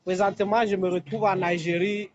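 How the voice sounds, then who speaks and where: A man's voice: high-pitched, level tone, a little fast, highs cut off. A man from Cameroon's anglophone South-West calling into a live stream from a construction site, talking hesitantly and repeating himself. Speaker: caller. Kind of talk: phone-in call to live stream.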